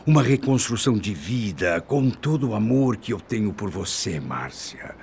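An actor with a Brazilian accent playing an aging, repentant, newly pious husband in a radio soap opera, solemn and pleading. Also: male voice, lowish voice, sing-song, moderate pace, creaky, darkish tone, slight background noise.

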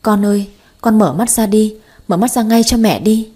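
A woman's voice: mid-range voice, normal speed, mellow, slightly rough, natural voice. A woman voicing a grieving older mother who pleads tearfully with her unconscious daughter, in an audio story. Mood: pleading.

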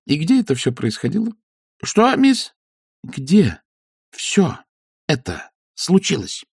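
A man voicing an impatient, fierce young woman witch in a storybook, with sharp commanding questions. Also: fairly high pitch, very animated, moderate pace, vocal fry, no echo, studio quality, pitched above the performer's own voice, heavily acted. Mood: insistent.

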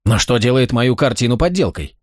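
A man voicing a sharp-tongued young woman art buyer in an audiobook, challenging and quick to irritation. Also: mid-range voice, lively intonation, dry recording, clean studio sound, lightly acted.

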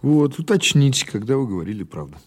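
An actor playing a patient, skeptical police investigator in an audio drama, questioning in a halting, conversational, insistent way. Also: male voice, mid-range voice, sing-song. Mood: methodical, pressing. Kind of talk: naturalistic audio drama dialogue.

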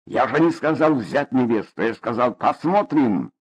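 A man voicing a hot-tempered middle-aged father from the Caucasus, loud, blustering and sarcastic, on a dull lo-fi recording. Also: mid-range voice, animated, normal speed, breathy edge. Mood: scornful.

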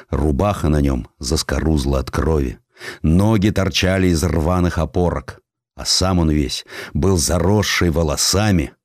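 A man's voice: extremely low pitch, a little mellow, no room sound, clean studio sound. A man narrating a historical sketch as an audiobook, in a theatrical and wry storytelling manner.

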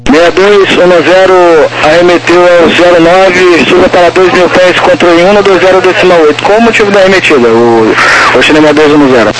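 Crackly military-style radio, clear static, man, high-pitched, Brazilian accent, air traffic controller, formal phraseology. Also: brisk. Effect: crackly radio transmission. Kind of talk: formal aviation radio instructions. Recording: noisy crackly radio channel.

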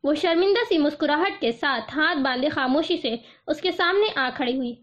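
A woman reading a novel aloud as scripted narration, in a steady, measured storytelling manner. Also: high-pitched, dull audio. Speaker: audiobook reader.

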